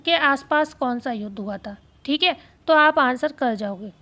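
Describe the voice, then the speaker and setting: High-voiced woman teaching exam prep. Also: lively intonation, pushed and bright. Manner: repeats key phrases slowly for dictation.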